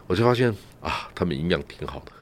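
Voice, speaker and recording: A man's voice: low voice, expressive, quick pace. A man from Taiwan, chatting as a radio guest and telling travel stories full of rhetorical questions. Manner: storytelling, peppers talk with rhetorical "right?" and "ha". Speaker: guest commentator. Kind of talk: casual radio chat.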